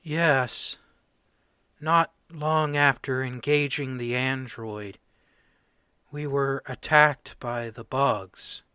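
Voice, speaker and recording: A man playing a traumatized corporal in a radio play, recounting horrors in halting, broken phrases. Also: mid-range voice, sharp tone, smooth, dry recording, studio quality. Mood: sedated, grieving. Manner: halting, haunted, fragmented delivery. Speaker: voice actor.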